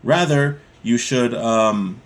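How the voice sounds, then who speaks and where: A man of ordinary middle pitch teaches a class on Jewish law in an unhurried, explanatory way. He reads brief lines and then restates them in everyday English, repeating the key ideas so listeners can follow. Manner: calm, explanatory, repeats points for clarity. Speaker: Torah teacher. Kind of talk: text study class, reading Hebrew then explaining in English.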